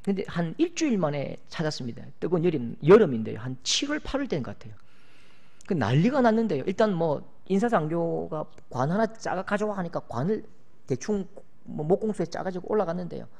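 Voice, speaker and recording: Impassioned preacher, lively pitch. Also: male voice, a little fast, gravelly. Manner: impassioned, swings from loud cries to hushed storytelling. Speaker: pastor. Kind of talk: sermon.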